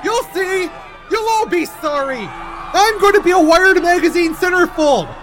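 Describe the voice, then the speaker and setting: A young man voicing an arrogant teenage inventor in a radio play, his voice pitched high and full of grand swoops. He speaks pompously, as if everything he says is a great revelation. The sound carries a long hall reverb with faint music underneath. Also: very animated, moderate pace, fairly bright tone, some chatter behind, a little hiss or hum. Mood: ranting. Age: young adult. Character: arrogant teen boy inventor, pompous and ranting. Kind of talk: audio drama acting.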